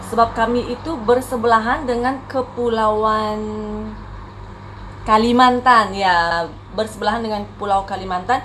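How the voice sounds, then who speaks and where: A woman in her thirties speaks with a Tawau Sabah Malay accent that leans toward Indonesian, in a fairly high voice. She rambles in a relaxed, chatty way, filling pauses and correcting herself as she goes. A faint hum of ambient noise sits behind her. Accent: Tawau Sabah Malay, Indonesian-tinged. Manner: chatty, rambling, frequent fillers and self-corrections. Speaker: vlogger. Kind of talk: casual chat to camera.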